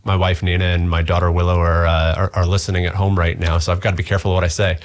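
A man's voice: low-pitched, flat delivery, quick pace. A man in his forties with a Canadian accent, chatting easily as a radio guest and rambling through his answers. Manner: easygoing, rambling with frequent "uh" and restarts. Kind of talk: relaxed interview chat. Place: radio studio.

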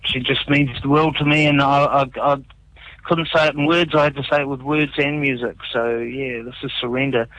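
A man with a New Zealand accent, a musician guest telling stories in a relaxed, animated way in a casual radio interview. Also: mid-range voice, brisk, lo-fi sound. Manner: animated storyteller, relaxed and chatty.

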